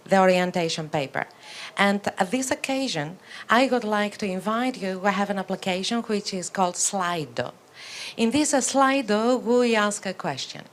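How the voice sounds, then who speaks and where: A woman moderating a conference session, formal and often hesitant. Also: medium pitch.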